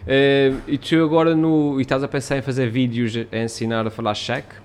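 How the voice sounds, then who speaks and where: A man's voice: medium pitch, flat delivery, fairly quick, smooth. Chatty man with a Portugal accent. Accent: European Portuguese. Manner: chatty and explanatory, with frequent fillers and tag questions. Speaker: YouTube creator. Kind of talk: casual chat.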